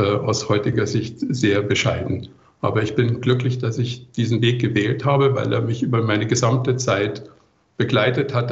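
A man in his sixties giving measured, articulate, reflective answers as an interview guest. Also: mid-range voice, creaky, echoey room, dull audio. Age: 60s.

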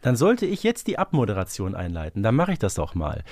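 A man's voice: fairly low pitch, wildly swooping pitch, brisk, a little mellow, no echo. Man co-hosting a podcast, dry close sound. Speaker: podcast co-host. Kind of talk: casual podcast discussion.

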